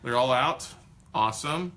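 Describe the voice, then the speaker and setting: A man hosting a casual live stream, talking in an energetic, motivational way with a loud voice. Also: medium pitch, unhurried, a little hiss or hum. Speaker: host.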